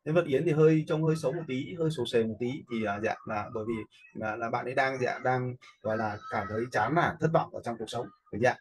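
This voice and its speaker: A man giving a casual screen-share software lesson, often checking in with his learners through short questions. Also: medium pitch, quick pace, husky. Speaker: instructor in animation software tutorial.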